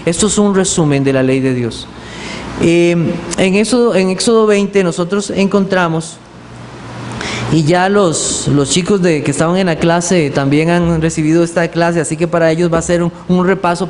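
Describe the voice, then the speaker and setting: A male pastor teaching a sermon, posing questions to the congregation and answering them himself, reading scripture aloud with slow emphasis. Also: sits high, darkish tone. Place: church hall. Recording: echoey hall with background noise.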